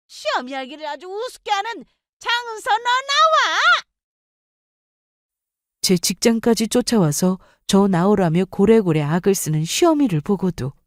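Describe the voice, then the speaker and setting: A woman's voice: mid-range voice, mellow, no room sound, studio quality. A woman in her thirties narrating her own story in first person, aggrieved and emotional.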